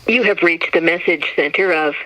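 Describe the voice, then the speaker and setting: A recorded phone menu message reading options in an even, clearly spaced scripted announcement. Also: medium pitch, normal speed, very noisy. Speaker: automated phone greeting.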